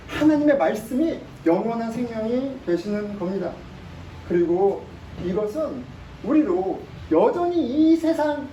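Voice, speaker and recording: A male pastor delivers a sermon in a mellow, darker voice, pressing his points and firing rhetorical questions at the congregation. He is picked up from some distance in a reverberant church sanctuary, with faint ambient noise underneath. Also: very high-pitched. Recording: echoey room, mic at a distance.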